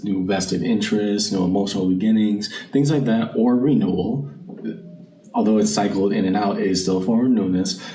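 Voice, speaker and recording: A somewhat low-pitched man hosts a casual tarot card reading. He speaks informally and directly to the listener, thinking aloud as he goes. The recording is echoey and a little distant from the mic. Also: dark tone. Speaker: tarot card reader and channel host. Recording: roomy, distant mic, faint background noise.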